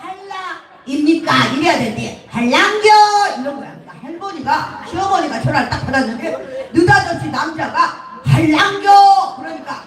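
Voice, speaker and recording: A woman comedian tells a story live on stage, chatting and laughing with the crowd. Her voice sits high. The sound is distant and drenched in hall echo. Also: animated, brisk, few pauses, a bit bright. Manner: chatty, laughing, talks to the audience. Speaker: comedian and singing instructor. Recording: echoey hall, far from mic.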